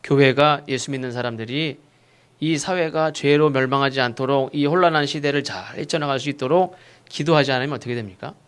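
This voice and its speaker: A male pastor preaching a sermon, asking rhetorical questions and acting out sharp rebukes. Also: mid-range voice, brisk, clean tone. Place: church sanctuary.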